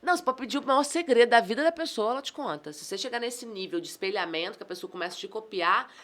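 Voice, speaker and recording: A quick-talking Brazilian woman guesting on a podcast, her voice bright and a touch high. She tells stories with lots of energy and slips into the voices of the people in them. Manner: animated storyteller, acts out dialogue, exclamatory. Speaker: podcast guest, communication trainer. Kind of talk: casual podcast conversation.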